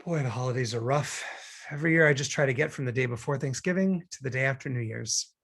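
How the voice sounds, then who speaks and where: A man's voice: mid-range voice, fast, gravelly, a bit bright. An actor playing a defensive, exasperated man arguing with his lover in a table read of a romantic comedy. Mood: awkward, probing. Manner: argumentative, self-justifying.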